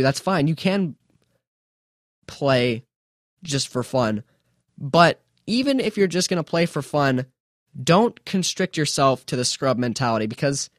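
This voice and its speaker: A man's voice: medium pitch, no echo. Chatty young man on a dry mic. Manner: chatty, self-mocking, rambling with restarts. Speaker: podcast host. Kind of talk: casual solo podcast talk.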